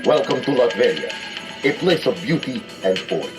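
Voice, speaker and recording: An actor playing a pompous, megalomaniac supervillain dictator who declaims imperiously in propaganda broadcasts within an audio drama. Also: male voice, medium pitch, very animated, normal speed, music in the background, close to an everyday voice. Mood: grandly welcoming.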